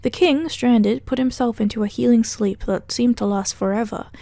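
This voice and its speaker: A woman with a fairly high voice and a very soft, mellow tone narrates a video essay. She talks conversationally, recapping and commenting as she goes, with a dry, sardonic edge. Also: moderate pace, no room sound. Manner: conversational, wry, sardonic asides. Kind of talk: casual narrated recap and commentary of a horror web series.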